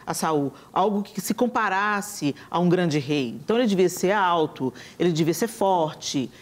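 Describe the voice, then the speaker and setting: A woman's voice: on the low side, moderate pace. A Brazilian woman on a talk show, speaking earnestly and quoting scripture as she tells stories. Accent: Brazilian Portuguese. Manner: earnest, quotes scripture, animated storytelling. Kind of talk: conversational preaching.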